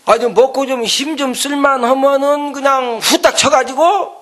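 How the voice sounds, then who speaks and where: A man's voice: extremely high pitch, normal speed, fairly bright tone. A man preaching a sermon as pastor. He tells the story with sound effects and often checks in with the congregation.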